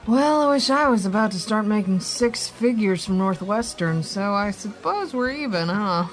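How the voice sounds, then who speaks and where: An actress playing a wry, brisk law officer in naturalistic audio drama dialogue. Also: female voice, medium pitch, expressive, faint music behind, lightly acted, rough recording. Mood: amused storytelling. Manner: wry, teasing, conversational.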